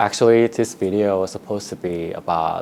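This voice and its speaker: A man speaks with a Korean accent at a very deep, low pitch. His pace is moderate and his pitch variation ordinary. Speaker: drag queen vlogger. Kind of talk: casual vlog storytime. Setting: home office. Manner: calm; hesitant.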